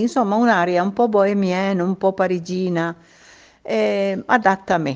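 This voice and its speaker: A woman speaks at a medium pitch. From northern Italy. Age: old. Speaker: retired volunteer. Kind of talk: casual chat.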